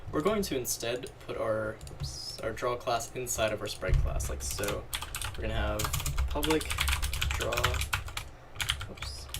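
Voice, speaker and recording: A programming tutorial host, losing his voice a little, casually talks through a screen-recorded coding walkthrough, thinking aloud and correcting himself as he types. His voice is medium-pitched, expressive, and creaky at a measured pace. The distant mic picks up loud keyboard clatter and mouse clicks in a very noisy recording.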